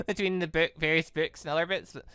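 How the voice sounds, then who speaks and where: A man's voice: on the high side, a little fast, bright, forceful tone, smooth, dry recording. A man giving casual let's play commentary in a rambling way, often correcting himself on a close mic. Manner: rambling, self-correcting asides. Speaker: gaming video host. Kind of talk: casual let's play commentary, reading visual novel dialogue aloud. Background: game music.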